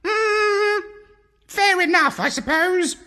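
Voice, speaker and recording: A man's voice: very high voice, takes it slowly, bright, forceful tone, in a large hall, voice pushed up, exaggerated voice. A man voicing a bossy, brainy male parrot with a squawky voice in a children's storybook. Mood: grudging.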